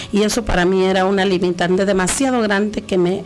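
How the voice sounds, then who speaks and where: Over noticeable background noise, a woman with a medium pitch speaks at a moderate pace. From Oaxaca, Mixteca region, Mexico. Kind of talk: interview conversation.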